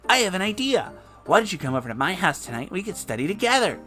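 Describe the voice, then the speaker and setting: A sweet teenage cartoon bunny girl, voiced by a man, friendly and eager. The pitch sits a little high and the delivery is lively, as in a storybook reading. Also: fast talker, faint music behind, full character voice.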